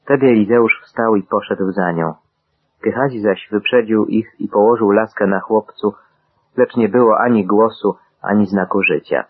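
A man reads scripture aloud in a husky, low voice. His delivery is measured and solemn. The sound is thin and tinny, like a radio broadcast. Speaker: Bible reader. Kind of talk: scripture reading.

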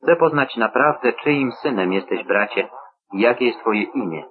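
A man reading the part of a devout old blind father in a measured, solemn scripture reading, on a tinny phone-like line. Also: mid-range voice, animated, lightly acted. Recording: tinny phone-like radio sound.

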